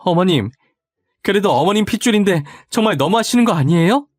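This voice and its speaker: A man's voice: sits high, animated, brisk, dry recording, pitched above the performer's own voice. A man voicing a distressed young wife who pleads and insists over and over. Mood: pleading.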